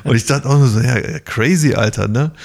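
A man's voice: medium pitch, brisk, creaky, darkish tone. A man casually telling a long anecdote on a podcast, full of fillers, now and then putting on other people's voices. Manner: rambling storyteller, imitates others with raised voice. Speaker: podcast co-host.

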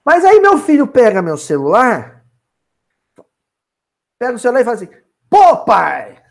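A lively man leads a Bible study lesson, his pitch swinging widely as he explains. He talks in a relaxed, colloquial way and keeps turning to his listeners with questions. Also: normal speed. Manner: animated, colloquial, asks the audience questions. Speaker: Spiritist study leader.

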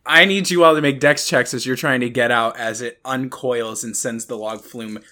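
A man running a tabletop horror game as game master, setting scenes with slow, deliberate, drawn-out narration. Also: mid-range voice, steady tone, bright, forceful tone.

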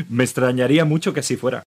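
A man's voice: mid-range voice, moderate pace, a little mellow, breathy edge. A man playing a middle-aged forensic doctor who talks in a dry, matter-of-fact way. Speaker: forensic pathologist. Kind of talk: radio drama acting.

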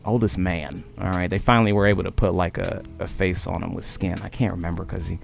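A man in his late twenties, talking loudly and emphatically on a podcast and often asking "you know what I mean?". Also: low-pitched, level tone, fast talker, vocal fry, soft background music. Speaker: podcast host. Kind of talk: casual conversation.

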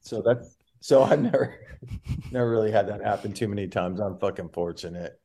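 A man's voice: fairly low pitch, moderate pace, gravelly. A man, a podcast co-host and tour caddy, telling profane stories in casual banter. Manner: profane, storytelling, animated impressions.

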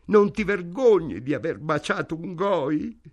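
A man's voice: a little high, expressive, measured pace, pitched above the performer's own voice. A man reading an audiobook, voicing a weeping, desperate elderly mother in a pleading, sobbing lament.

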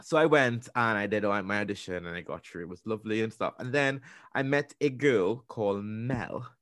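A man in his thirties from Trinidad with a Trinidadian accent, telling stories in a casual podcast chat, talking fast and restarting his sentences often. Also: lowish voice, lively intonation, fairly bright tone, no echo, clean studio sound. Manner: fast, rambling, with many restarts.

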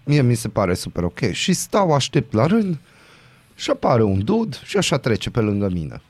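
A man's voice: mid-range voice, huge pitch swings, a little mellow, dry recording. A man co-hosting a morning radio show, telling an indignant story in casual banter.

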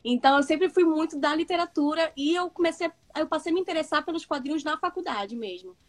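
A woman's voice: sits high, quick pace. A young woman from Manaus with a northern Brazilian accent, a comics editor chatting in an interview, laughing often and restarting her sentences. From Manaus, Amazonas, northern Brazil. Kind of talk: casual interview chat.

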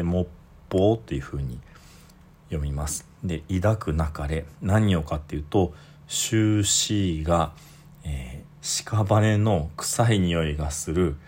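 Low-voiced man giving a Buddhist talk. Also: slight background noise. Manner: patient, explanatory, frequent soft fillers. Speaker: Buddhist priest.

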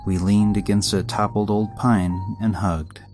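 A man's voice: fairly low pitch, little pitch movement, unhurried. A man narrating a horror story in a somber, reflective tone. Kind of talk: scripted narration. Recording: narration over music.

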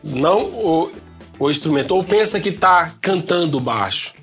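A man's voice: on the high side, expressive, unhurried, a bit bright, faint music behind. A man, a guest sound technician and DJ, telling a story in casual talk and repeating phrases for effect.

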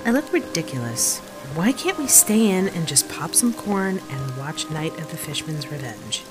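A reluctant young partygoer in an audio drama, her voice slightly low. She grumbles wryly and runs herself down, with music clearly playing behind her. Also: sing-song, normal speed. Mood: sulky, reluctant. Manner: wry, grumbling. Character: sulky, self-deprecating young woman, reluctant partygoer. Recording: loud music bed behind the voice.

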